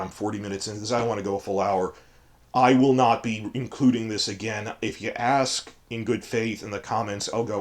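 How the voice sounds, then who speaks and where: Hoarse man ranting about fandom. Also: fairly low pitch. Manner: emphatic, digressive, scornful. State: hoarse from a cold. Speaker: fantasy fandom commentator. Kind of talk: ranting commentary.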